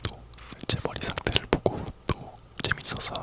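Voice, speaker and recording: A person whispering a casual, rambling ASMR chat in a soft, unvoiced whisper. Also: normal speed. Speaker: ASMR video creator.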